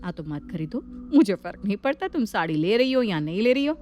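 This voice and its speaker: Brief: woman playing a haughty elder daughter-in-law, snide and lively in pitch. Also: a little fast, slight background noise, lightly acted. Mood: scornful. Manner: snide, self-righteous. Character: scheming elder daughter-in-law, proud and jealous.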